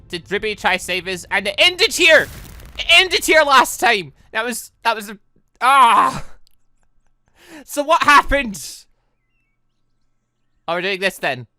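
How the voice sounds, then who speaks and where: Male gaming host, lively swooping pitch, bright dry close sound, chatty and rambling, faint music behind. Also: dry recording. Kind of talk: casual let's play commentary.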